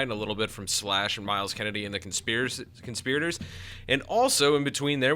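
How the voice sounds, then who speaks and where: A man's voice: lowish voice, pushed and bright. An American man working as a radio DJ, announcing music and chatting in a casual, enthusiastic way.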